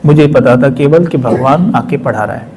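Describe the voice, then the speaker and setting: A man giving an emotional personal testimony about a spiritual experience, storytelling with dramatic pauses and repetitions, dropping to hushed tones and rising to excited ones. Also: mid-range voice, noisy background. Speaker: spiritual community member sharing his experience.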